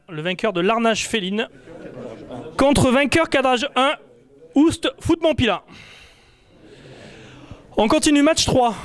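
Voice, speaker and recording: A man's voice: high-pitched, a bit bright. A man presenting a cup draw in a casual, chatty way, with frequent fillers and hesitations. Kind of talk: casual live announcing.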